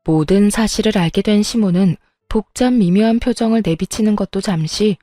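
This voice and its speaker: A woman narrates a first-person story in a steady, confiding way. Her voice is mellow and warm, recorded dry and close, with faint music behind her. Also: mid-range voice, normal speed, no echo. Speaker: storyteller narrating as daughter-in-law.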